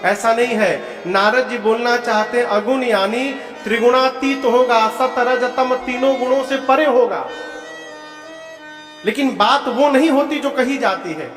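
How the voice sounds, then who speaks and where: Brief: man, high voice, slow storytelling preacher with an Eastern Uttar Pradesh accent, chants verses, echoey hall with faint music. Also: fairly bright tone. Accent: Eastern Uttar Pradesh (Purvanchal). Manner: storytelling, questions the audience, chants verses slowly. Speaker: kathavachak preacher. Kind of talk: devotional sermon with sung verses.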